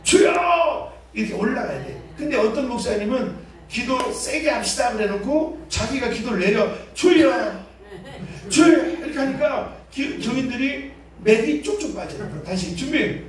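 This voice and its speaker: A man pastor leading a revival seminar, loud and animated, shouting prayer cries and joking with the crowd. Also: very high voice, normal speed. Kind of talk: revival sermon with call-and-response. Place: large church hall. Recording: echoey hall, voice from far off.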